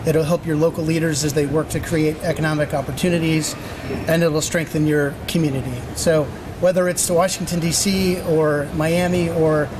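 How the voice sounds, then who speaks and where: A man giving a public speech as an airline executive, halting and often pausing to find his words. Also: fairly even intonation. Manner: halting, frequent hesitant pauses. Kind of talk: public speech at a press announcement. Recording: noisy event, urban background rumble.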